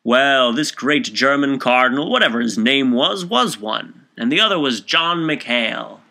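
A man voicing a self-assured middle-aged gentleman in an audiobook, declaiming his stories with solemn emphasis. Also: expressive, measured pace, creaky, full character voice. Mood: holding forth. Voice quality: deep, raucous.

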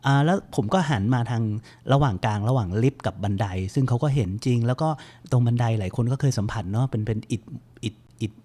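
A man hosting a computer help show, giving a relaxed, chatty step-by-step screen-reader tutorial with lots of fillers. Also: mid-range voice, quick pace, hardly any pauses.

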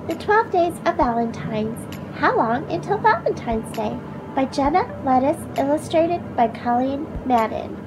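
A woman hosting a children's storytime, speaking simply and deliberately as she reads aloud for young listeners. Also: high voice, rough recording. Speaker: children's read-aloud storytime host, teacher. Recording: music behind the voice.

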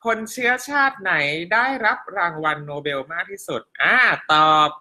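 A middle-aged woman teaching a casual live online class, chatting and reading viewers' comments aloud in a friendly teacher's manner. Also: mid-range voice. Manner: chatty, warm teacher tone, polite particles, frequent laughs. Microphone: home live-stream setup.

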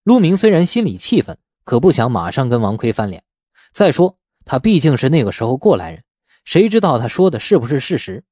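A man's voice: medium pitch, big pitch swings, brisk, mellow, slightly rough, no room sound, clean studio sound. A man narrating a novel as a scripted, dramatic audiobook.

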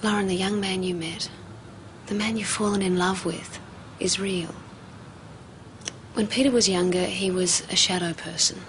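On a TV drama with a noisy soundtrack, an actress portrays a middle-aged psychiatrist who stays calm, gentle, and measured, explaining with patience. She uses a natural, medium-pitched female voice.

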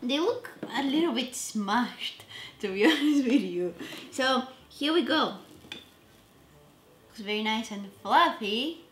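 A cooking vlogger in her home kitchen chats casually and pokes fun at herself, often trailing off mid-sentence. Her fairly high voice is animated but slow, with long pauses, in a roomy recording with background noise.

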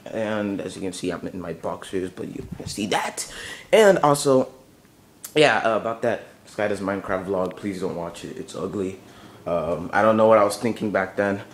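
A man's voice: on the low side, a little hiss or hum. Groggy young man rambling in a vlog. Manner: rambling, hesitant, many fillers. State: groggy morning voice, just woke up. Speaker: channel owner. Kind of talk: casual vlog. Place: bedroom at home.

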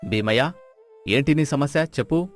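An actor playing an authoritative, concerned village elder. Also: male voice, medium pitch, lively intonation, moderate pace, close to an everyday voice. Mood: stern, concerned. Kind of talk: moral storybook character voice. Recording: music behind the voice.

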